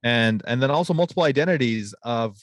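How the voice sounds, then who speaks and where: A young adult man hosting a podcast interview. He talks reflectively, paraphrasing his guest and working in quotes, recorded on a boom-arm studio mic in an office studio. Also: expressive, a little fast, dry recording. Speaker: podcast host, physician.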